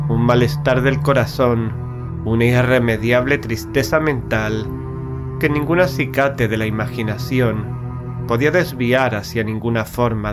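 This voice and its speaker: A man playing a melancholy gentleman who narrates a horror story in a solemn, deliberate, literary way. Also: medium pitch, close to an everyday voice. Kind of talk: scripted dramatic horror narration. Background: music.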